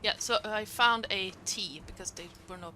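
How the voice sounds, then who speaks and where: A woman with German as her first language, running a tabletop game as game master, talking in halting bursts full of fillers. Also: mid-range voice, over music. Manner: halting, many fillers, quick laughs. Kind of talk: narrating a tabletop game and chatting.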